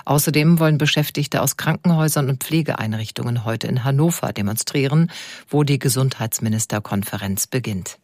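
A man reading a radio news bulletin in a measured, formal way. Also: medium pitch, dry recording, studio quality. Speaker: newsreader.

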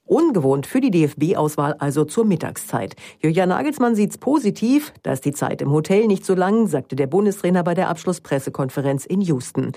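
A female sports correspondent reports in a crisp, news-like style. Her voice is lowish and mellow with a lively pitch, recorded dry. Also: moderate pace, hardly any pauses, dry recording.

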